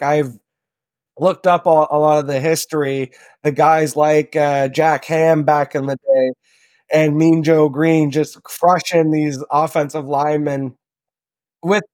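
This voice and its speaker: A young man from Southern Ontario, a podcast guest telling stories in a relaxed way, with plenty of ums and uhs. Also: fairly high pitch, measured pace. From Southern Ontario, Canada. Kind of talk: casual interview chat.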